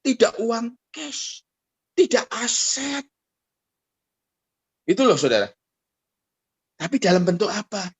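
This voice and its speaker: A middle-aged pastor preaches in a wide, swooping voice that leaps high and drops low as he tells a story. His tone has a husky, breathy edge. He talks straight to the congregation and acts out the voices of the people in his story. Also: no room sound. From Indonesia. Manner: animated storytelling, acts out quoted voices, addresses the congregation directly. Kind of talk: sermon.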